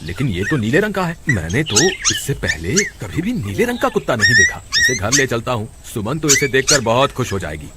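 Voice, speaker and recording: Earnest farmer guy from a cartoon done by a man, lively up-and-down voice, noisy track. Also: mid-range voice, a little fast, hardly any pauses. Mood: gentle. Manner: firm and earnest. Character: kind village farmer, grown man, protective of his family. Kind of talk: cartoon story dialogue.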